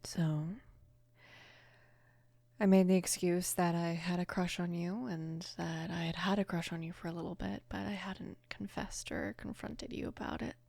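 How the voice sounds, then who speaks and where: This intimate ASMR roleplay features a woman around twenty as a mafia boss's easygoing, protective daughter, her soft voice moving between low murmurs and breathy whispers. Her intonation stays fairly even, her mood calm and confiding, and she speaks casually and hesitantly, without hurry and with small pauses. The close-miked recording is dry, with no room sound.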